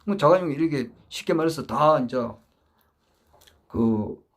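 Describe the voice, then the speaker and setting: Man, high-pitched, very animated intonation, emphatic lecture monologue, repetitive, restarts phrases. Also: a little slow. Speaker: political supporter giving a talk.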